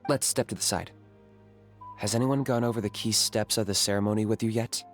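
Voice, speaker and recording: A man's voice: fairly low pitch, steady tone, brisk, soft background music, natural voice. A man voicing a cool, businesslike young tribal warrior in a video game, with a dry, matter-of-fact delivery. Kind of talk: video game character acting.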